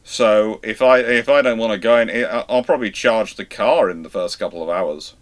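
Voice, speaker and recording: A British man hosting a live question-and-answer stream on naval history, chatting casually and teasing a co-host, with loud animated bursts of emphasis. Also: lowish voice, moderate pace. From Britain. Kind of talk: live Q&A chat.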